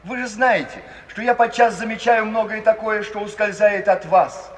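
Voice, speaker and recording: Actor as high-voiced, mild courteous gentleman. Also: moderate pace, slight background noise, close to an everyday voice. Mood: gently earnest. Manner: polite, pleading, deferential. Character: mild, courteous, kind-hearted gentleman, anxiously tactful. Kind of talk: 1950s Soviet radio theatre acting. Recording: old radio recording, long reverb, distant.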